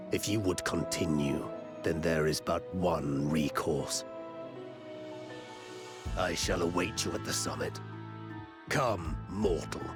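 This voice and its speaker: An actor voicing a proud, calmly menacing male fire archfiend in a video game cutscene, speaking slowly and solemnly. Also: low-pitched. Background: game music.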